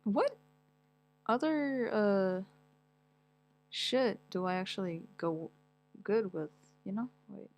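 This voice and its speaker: A woman's voice: medium pitch, takes it slowly, pauses often, a little mellow. Rambling, foul-mouthed young woman. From Morocco. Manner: rambling and blunt, heavy swearing, reacting to what she reads. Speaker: vlogger. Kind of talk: casual chat, reading aloud.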